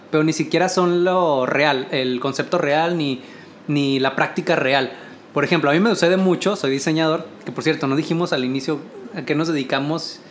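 A designer with a northern Mexican accent and a somewhat high voice for a man tells stories in a loose podcast chat. He explains at length, often circling back and restarting his phrases. Faint hiss sits behind him. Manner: explains at length, with frequent restarts and light laughter.

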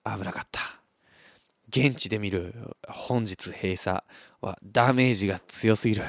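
A man's voice: fairly low pitch, a little slow, no room sound, studio quality. A young man, hosting a casual podcast, reading listener messages and telling stories with frequent laughs and sound effects. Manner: chatty, laughs often, lively storytelling with sound effects. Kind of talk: casual chat.

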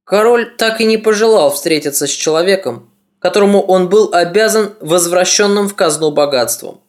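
Measured storyteller narrating history. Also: mid-range voice. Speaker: podcast narrator.

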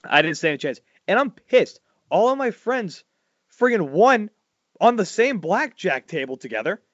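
A loud, animated man, chatting as a podcast host. His voice sits a little high and leaps up further when a story excites him. The sound is dry and a bit dull, like a lo-fi recording. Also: moderate pace, no echo. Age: 40s. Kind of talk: casual chat.

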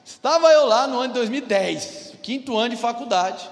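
The voice is extremely high-pitched, animated and fairly quick, with vocal fry and a long reverb tail. It belongs to a Brazilian Portuguese-accented pastor in his thirties, who tells a personal story in a church hall sermon and often turns to the congregation with "amém?" and "irmão."

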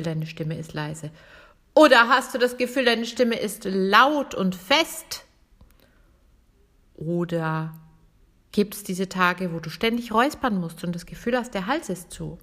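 A woman voice coach hosts her podcast. She talks to the listener in a lively, friendly, direct way and demonstrates each point with her own voice. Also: medium pitch.

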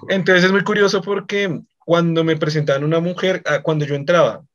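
Podcast host, young Colombian man, slightly high voice, rambly storyteller, dull lo-fi audio. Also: moderate pace, fairly bright tone. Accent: Colombian Spanish. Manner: rambling, repeats words, chuckles often. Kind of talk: casual anecdote telling.

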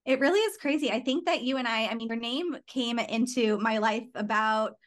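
A woman from Southern California talks eagerly as a podcast guest. Her voice sits a little higher than most, and her manner is upbeat and talkative. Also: moderate pace.

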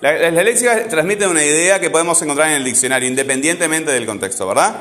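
A man's voice: on the high side, expressive, quick pace, fairly bright tone. Patient male teacher, echoey classroom. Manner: patient, questioning, uses verbal checks like "¿tá?". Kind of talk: classroom lesson on word stress. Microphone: wearing a face mask. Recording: echoey classroom with long reverb.

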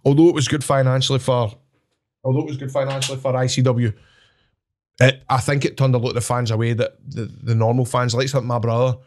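A man with a Scottish accent telling animated, swearing-laced stories as a wrestler guest in casual chat. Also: mid-range voice, fast, a little hiss or hum. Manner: animated, swears, laughs at his own stories.

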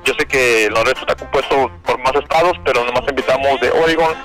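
A Mexican man, a rodeo promoter, answering radio interview questions, nervous on air and halting with many fillers and restarts. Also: medium pitch, a bit bright, soft background music, rough recording.

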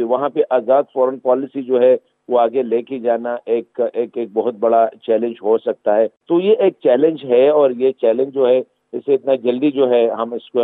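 A man's voice: mid-range voice, no echo. A man giving his analysis in a news clip, hesitant and thinking aloud, mixing in English words. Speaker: interviewed analyst. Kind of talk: spoken commentary in a news clip. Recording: tinny phone-line interview.

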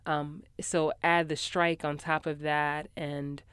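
Woman podcast host, low smooth voice, a bit congested, chatty and upbeat, dry booth sound. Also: level tone, slow, fairly bright tone, dry recording. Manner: chatty, upbeat, many fillers. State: stuffy from a cold. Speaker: podcast host, actor coach. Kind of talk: casual podcast monologue. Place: small home voiceover booth in a former closet.

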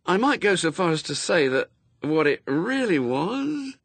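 A man's voice: fairly high pitch, big pitch swings, measured pace, creaky, no room sound, pitched above the performer's own voice, exaggerated voice. A man voicing a hapless, gloomy, awkward man with a hesitant, wordy, apologetic way of talking in a storybook. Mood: wretched, sheepish.

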